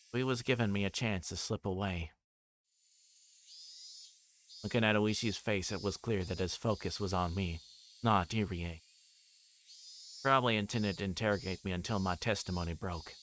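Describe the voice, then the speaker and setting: A man's voice: low voice, a little fast, a bit bright, a little hiss or hum. A man livestreaming a visual novel, reading the story aloud as narration with his own asides and voicing the dialogue. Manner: voices characters' dialogue while reading.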